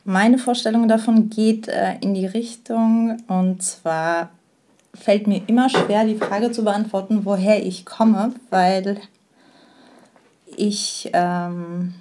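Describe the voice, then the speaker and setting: A woman's voice: mid-range voice, fairly even intonation, slow pace, dark tone. A young woman from Armenia co-hosting a podcast, speaking thoughtfully with many hesitations. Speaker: podcast co-host. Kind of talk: casual podcast chat.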